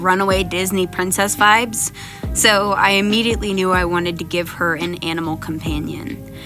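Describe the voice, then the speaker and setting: Music sits in the background behind a woman. Her pitch is medium, with ordinary variation. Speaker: digital artist. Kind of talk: casual voiceover narration of art process. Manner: hesitant, some stuttering.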